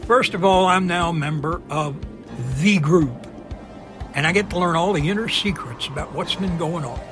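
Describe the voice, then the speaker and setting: A man's voice: on the high side, moderate pace, music in the background, natural voice. A man playing an easygoing, curious middle-aged helicopter pilot in an amateur audio drama, chatty and wry.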